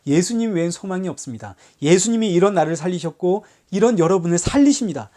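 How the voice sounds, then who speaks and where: Male pastor, sermon delivery; higher voice, passionate, alternates raised and quiet passages. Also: lively intonation, quick pace. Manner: impassioned preaching, rhetorical questions, swings between loud and hushed.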